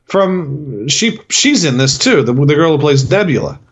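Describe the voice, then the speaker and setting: A man's voice: on the high side, very animated, a little slow, slightly rough. A man co-hosting a movie review podcast, talking in a rambling, profane way with many restarts. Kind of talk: casual chat. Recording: dull lo-fi sound.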